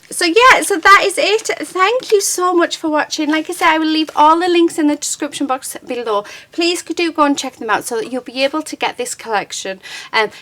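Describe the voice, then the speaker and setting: Chirpy excited lady doing a craft vid, kinda high voice, chatty, noisy background. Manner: chirpy, enthusiastic, giggly. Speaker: crafting channel host. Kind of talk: casual chatty craft demonstration. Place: indoors at a craft desk.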